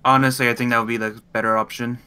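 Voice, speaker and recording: Male tabletop player, bright clear-cut tone, practical and measured in casual group planning. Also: mid-range voice, level tone. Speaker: player in a tabletop roleplay game.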